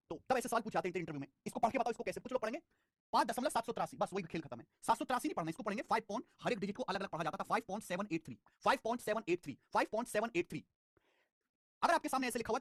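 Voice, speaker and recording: A young man with a high-pitched voice teaches a live online math lesson, rattling along fast and lively, repeating digits and phrases repeatedly, and scolding students with life advice. The recording is dry and clean, studio-grade.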